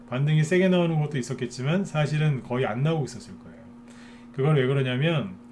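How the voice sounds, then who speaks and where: A man's voice: mid-range voice, darkish tone, slight background noise. Chatty man giving a live stock lecture. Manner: chatty, many filler "ne" and tag questions to viewers. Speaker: stock market commentator.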